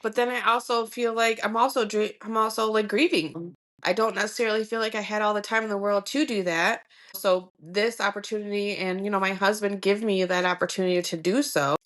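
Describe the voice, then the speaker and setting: Her voice is mid-range and fairly bright, with fairly even intonation and a slightly quick pace. A woman in her forties from Michigan, she reflects on family life during a casual podcast interview, leaning heavily on "um" and "you know."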